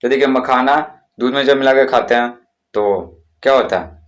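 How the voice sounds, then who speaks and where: A man's voice: mid-range voice, steady tone, normal speed. Man teaching in a chanting way. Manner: chants vendor calls, keeps saying "theek hai". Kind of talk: classroom-style explanation.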